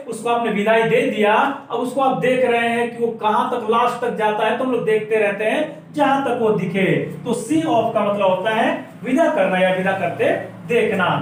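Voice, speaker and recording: Brief: male language teacher with a very high voice, patient explainer, recorded from a distance. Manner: explains patiently, repeats words slowly for dictation. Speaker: English teacher. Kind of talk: classroom-style language lesson. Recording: very echoey room, voice off-mic.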